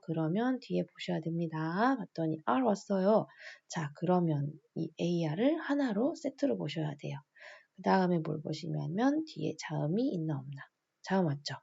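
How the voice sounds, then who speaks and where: Woman, phonics teacher, low gravelly voice with a husky edge, patient and repetitive, slightly dull lo-fi sound. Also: mellow. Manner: patient, repeats each rule and asks the viewer small questions. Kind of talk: spelling out words step by step for adult learners.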